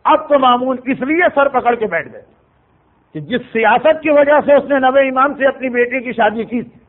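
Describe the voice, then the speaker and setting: A man's voice: extremely high pitch, lively intonation. A man giving a sermon, telling a tragic story in a dramatic, mournful way. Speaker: religious orator. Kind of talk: sermon narration of a historical tragedy. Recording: tinny phone-like sound.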